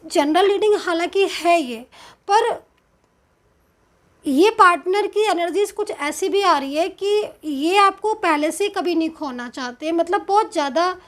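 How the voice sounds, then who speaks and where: High-voiced woman giving a slow tarot reading. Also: animated, fairly bright tone. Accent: Indian. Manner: slow, hesitant, explanatory, with many fillers. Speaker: tarot card reader.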